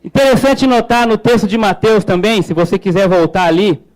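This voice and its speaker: A man's voice: high-pitched, steady tone, fairly quick. A male pastor preaching a sermon in a conversational way, with jokes and rhetorical questions.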